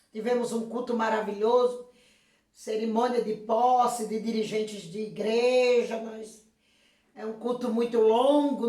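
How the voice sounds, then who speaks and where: A hoarse woman pastor from Brazil giving a slow, emphatic sermon-style video message, with frequent praise interjections. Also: on the high side. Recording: echoey room, voice from a distance.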